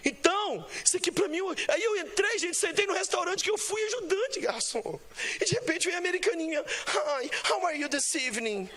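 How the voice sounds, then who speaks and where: Brazilian preacher, middle-aged man, very high, sharp bright voice, lively storyteller who mimics voices. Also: brisk. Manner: storytelling with big swings in pitch, mimicking voices. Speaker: pastor. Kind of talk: sermon.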